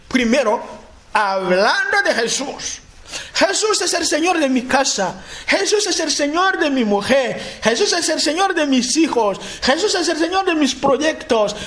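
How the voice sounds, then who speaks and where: A man from Africa preaching a sermon, speaking in halting phrases, restarting and repeating words, often checking in with his listeners. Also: a bit bright. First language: a language of his homeland. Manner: chanting repeated proclamations with rising pitch.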